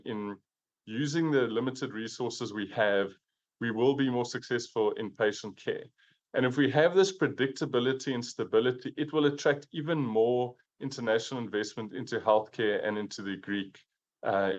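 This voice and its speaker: A man's voice: mid-range voice, dull audio. A man from South Africa giving an earnest conference presentation as a pharmaceutical executive, often repeating words as he restarts. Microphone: remote video call.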